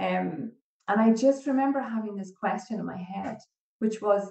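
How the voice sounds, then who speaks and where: Fairly slow and somewhat breathy, a woman speaks with a dark, mellow tone. Her pitch is fairly high, with ordinary pitch variation. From Ireland (Galway and the south). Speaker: nurse and coach. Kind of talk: interview.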